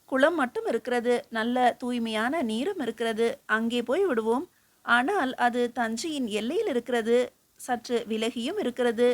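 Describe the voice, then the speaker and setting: A woman's voice: on the high side, expressive, moderate pace, lightly acted. A woman voicing a young male scholar who speaks with earnest, respectful humility.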